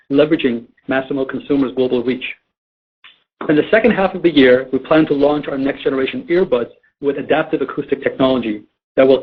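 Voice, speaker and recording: Husky man on a narrow phone line. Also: medium pitch. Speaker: company chief executive. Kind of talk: scripted earnings call presentation. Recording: muffled, tinny phone conference line.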